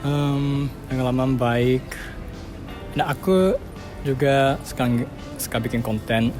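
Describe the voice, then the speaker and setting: Casual interviewee: man, Japanese accent, foreigner speaking Indonesian, mid-pitched, searching for words over music. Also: slow pace. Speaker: interviewee, content creator. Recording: loud music behind.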